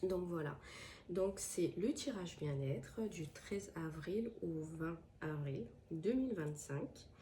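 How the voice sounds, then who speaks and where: A woman's voice: lowish voice, expressive, slow, dark tone, slight background noise. A woman with a head cold giving casual spoken advice to her viewers, hesitant with many fillers and restarts. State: has a head cold, stuffy voice. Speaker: tarot and crystal channel host. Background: washing machine running.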